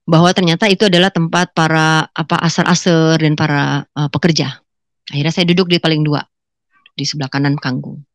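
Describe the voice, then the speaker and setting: A woman giving a personal testimony to a congregation, telling her story in a lively way, acting out dialogue in slang and often calling out to her listeners. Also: sits low, no echo, clean studio sound. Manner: acts out quoted dialogue in colloquial slang. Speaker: testimony speaker.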